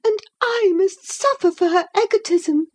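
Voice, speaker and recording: A woman voicing an infatuated young girl who speaks in a shrill, pleading, tearful way in an audiobook reading. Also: measured pace. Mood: sobbing.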